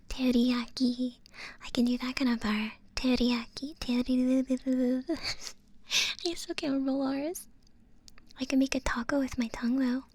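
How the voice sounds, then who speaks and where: A woman's voice: sits high, slow pace, pauses often, dry recording. A woman streamer whispering playfully and teasingly to her chat, close to the microphone. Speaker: VTuber streamer. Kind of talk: whispered ASMR-style live stream chat.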